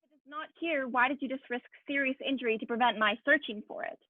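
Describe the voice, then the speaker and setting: A woman's voice: high voice, fast, dry recording. A woman acting a shifty, politely menacing man in a film noir radio play, speaking formally and stiltedly over a thin phone-like sound. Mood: wary, bargaining.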